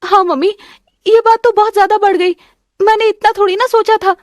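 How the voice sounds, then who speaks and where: A woman's voice: steady tone, fairly quick, no room sound, studio quality. A woman voicing a tearful young married daughter who cries out and pleads. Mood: distraught. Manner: high, pleading, crying out. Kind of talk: Hindi family drama voice acting.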